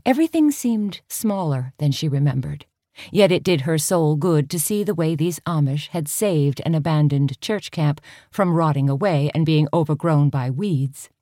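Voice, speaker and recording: A woman with a low, gentle voice narrates a novel in an even, unhurried manner. The sound is dry and close, with no room around her. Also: dry recording. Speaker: audiobook narrator. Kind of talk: scripted narration.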